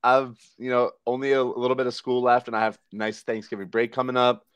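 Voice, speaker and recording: A young man in his twenties, a guest on a casual podcast, relaxed and laid-back. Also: mid-range voice, fairly quick, clear, resonant tone, no room sound.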